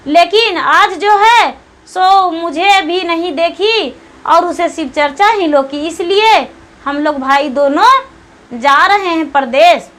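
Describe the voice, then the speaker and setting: A woman's voice: very high-pitched, slow pace, a bit bright, full character voice. A woman telling of a stubborn, aggrieved young husband. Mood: complaining.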